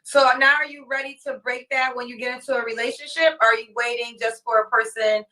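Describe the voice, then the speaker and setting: A woman hosts a casual interview, teasing her guest and pressing for answers. Her voice sits high and bright. She sounds a little away from the mic. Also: fairly even intonation, fast, distant mic. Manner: teasing, probing questions. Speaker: podcast host.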